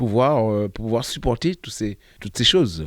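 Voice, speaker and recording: A man speaks at a medium pitch, his voice sounding dry and close with no echo. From Martinique. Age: 60s. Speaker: community association president. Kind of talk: interview testimony. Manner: halting.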